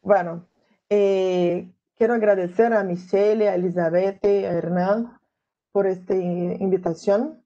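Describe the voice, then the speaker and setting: Slow Brazilian-accented woman lecturing in Spanish. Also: medium pitch, fairly even intonation, mellow, highs cut off. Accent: Brazilian Portuguese. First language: Portuguese. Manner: slow and careful, searching for words. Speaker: guest lecturer.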